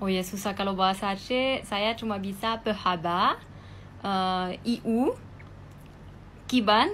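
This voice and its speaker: A woman's fairly high voice, very slow and fairly even in intonation. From France. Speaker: model. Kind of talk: casual chat. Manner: halting, many fillers.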